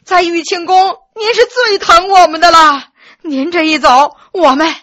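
A woman's voice: high-pitched, sing-song, measured pace, a bit bright, no echo, clean studio sound, heavily acted. A woman voicing a two-faced male disciple who wails with theatrical, put-on grief. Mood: fake wailing. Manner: theatrical crying. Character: two hypocritical male disciples, fake wailing.

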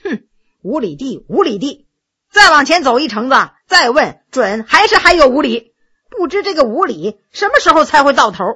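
A woman's voice: sits high, big pitch swings, moderate pace, sharp tone, heavily acted. Woman doing a peevish, worn-out young nobleman. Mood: grumbling. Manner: grumbling, weary sighs. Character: tired young nobleman, peevish but kind.

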